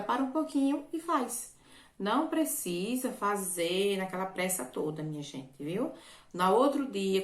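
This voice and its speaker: A woman's voice: medium pitch, fairly bright tone, reverberant. A woman, a primary school teacher explaining a workbook lesson to children patiently, repeating herself and often checking "certo?".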